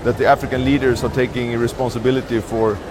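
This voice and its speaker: A man from Sweden who works at an embassy, speaking in a measured street interview with many filler pauses. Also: medium pitch, little pitch movement. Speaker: embassy staff interviewed at a summit. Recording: outdoor noise.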